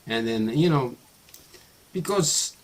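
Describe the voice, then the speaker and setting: A man's voice: mid-range voice, expressive, slow pace, low-quality recording. Japanese-accented man in his fifties. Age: 50s. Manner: hesitant, many fillers and restarts. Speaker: YouTuber. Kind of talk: casual talk to camera.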